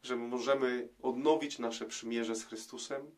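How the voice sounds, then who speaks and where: Slow, reflective priest giving a homily. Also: male voice, mid-range voice, fairly even intonation. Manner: slow, reflective, with many hesitation sounds. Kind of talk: gospel commentary homily. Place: small indoor room, plain wall.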